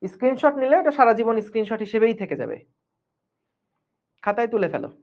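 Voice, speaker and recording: A man's voice: extremely high pitch, very animated, fast, vocal fry. A man, teaching physics in an online class in a chatty way that keeps checking the students follow. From Bangladesh. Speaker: physics tutor. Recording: dull lo-fi stream audio.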